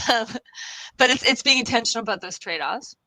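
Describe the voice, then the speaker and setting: A woman's voice: fairly high pitch, expressive, a little fast, pushed and bright, dry recording, low-quality recording. A woman guest on a casual podcast interview, reassuring and laughing often, repeating herself as she talks. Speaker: guest expert on the future of work.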